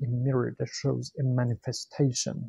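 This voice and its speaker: Somewhat breathy, a man with a Persian accent is heard in a dry sound with no echo. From Iran. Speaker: poetry interpreter. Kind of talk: lecture. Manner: halting. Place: home room.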